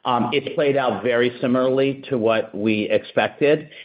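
A man answering analysts as a company executive on an earnings call, in a halting, careful way. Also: mid-range voice. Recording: dull, lo-fi conference call audio.

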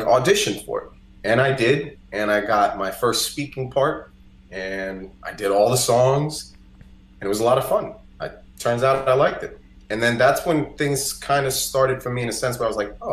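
A man's voice: mid-range voice, expressive, normal speed. A man from Costa Rica, a native Spanish speaker, chatting casually and telling personal stories as a podcast guest, with lots of "like" and "you know". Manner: conversational, peppered with "like" and "you know". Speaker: podcast guest, singer-songwriter. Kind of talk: casual chat, personal storytelling. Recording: roomy, echoey indoor sound.

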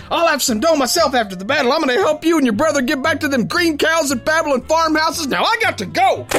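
A man's voice: very high voice, pushed and bright, full character voice. An actor playing a brash, good-hearted young sailor boxer who spins his yarn in folksy tough-guy slang for a radio comedy. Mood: earnest, flustered. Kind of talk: old-time radio comedy, first-person yarn spinning.

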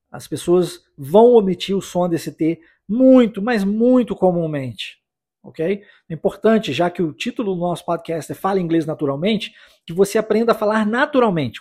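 Male podcast English teacher, high husky voice, patient explainer who drills phrases. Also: darkish tone. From United States. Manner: explanatory, repeats phrases for the listener to practise. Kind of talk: podcast language lesson.

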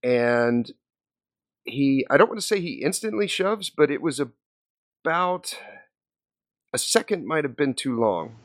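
A man's voice: mid-range voice, lively intonation, measured pace, pauses often, dry recording, clean studio sound. A man hosting a podcast, casually recounting a poker hand he played, with lots of fillers and restarts. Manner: storytelling with many fillers and restarts. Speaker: podcast host.

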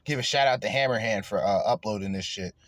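A man's voice: fairly low pitch, quick pace, fairly bright tone, no echo. A man hosting a podcast, ranting crudely and angrily in heated commentary. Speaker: podcast host.

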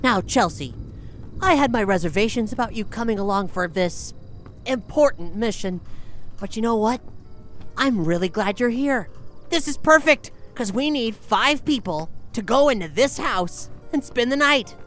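Woman doing a cocky kid bully, kinda high voice, sarcastic and taunting, faint music behind. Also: lively intonation, normal speed, natural voice. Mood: swaggering. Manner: sneering, sarcastic, swaggering. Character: cocky, taunting bully boy, ringleader of kids. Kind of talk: improvised tabletop roleplay audio drama.

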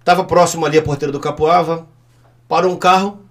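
A man's voice: on the high side, steady tone, fast. A middle-aged man, a former police officer and politician, telling stories bluntly and emphatically as an interview guest. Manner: emphatic, repetitive, blunt, storytelling. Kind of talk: casual interview storytelling.

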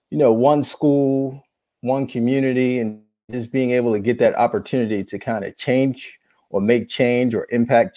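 A man speaking as a guest school leader on a video call, earnest and halting, with many pauses and fillers. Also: mid-range voice, warm tone, no echo. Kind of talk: casual conversational interview.

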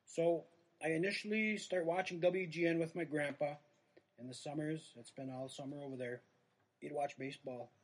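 A man's voice: on the high side, steady tone, moderate pace. A middle-aged man with a Native American reservation accent, chatting casually on a livestream in a rambling, self-deprecating way that trails off. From Red Lake reservation, United States. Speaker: comedian, live-stream host.

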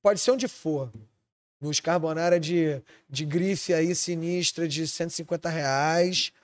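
A man's voice: on the high side, a little slow, no echo. A man from Switzerland, a chef and restaurant owner, talking animatedly in a casual podcast chat and swearing freely.

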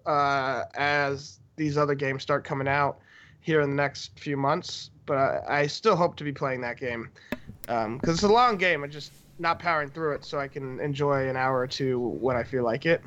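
A man's voice: medium pitch, moderate pace, a bit bright, highs cut off. A man co-hosting a podcast, chatting casually in an informal, conversational way. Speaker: podcast co-host. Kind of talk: casual chat about video games.

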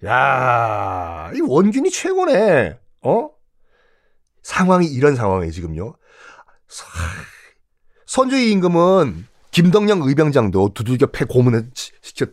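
A man telling history stories in a chatty, animated way, acting out the people he talks about. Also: mid-range voice. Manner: animated, chatty, acts out quotes. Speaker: history storyteller. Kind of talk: casual history storytelling.

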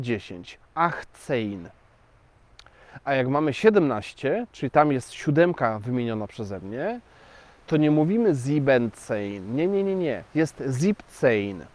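A man's voice: fairly high pitch, darkish tone, dry recording. A man teaching in a chatty, explanatory way, talking directly to his viewers. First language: Polish. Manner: chatty, addresses viewers directly, slow and deliberate. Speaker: language teacher. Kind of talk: casual explanatory lesson.

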